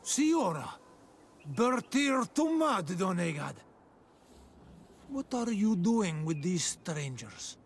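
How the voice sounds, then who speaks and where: A man playing a solemn, wary tribal keeper of sacred promises in a video game, with a measured delivery. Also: high-pitched, very animated, faint music behind, exaggerated voice. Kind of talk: video game cutscene acting.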